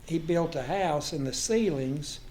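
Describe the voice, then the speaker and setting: An older man with a slightly high-set voice tells folksy stories. He takes his time, breaking the tale into short phrases with pauses between them. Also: animated, darkish tone, slight background noise. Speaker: guest storyteller. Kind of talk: folksy anecdotal storytelling.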